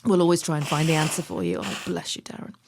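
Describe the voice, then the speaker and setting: A woman's voice: deep voice, steady tone, fast, creaky, noisy background. An English woman hosting a gardening podcast, chatty and enthusiastic, often breaking into giggles. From England. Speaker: podcast host.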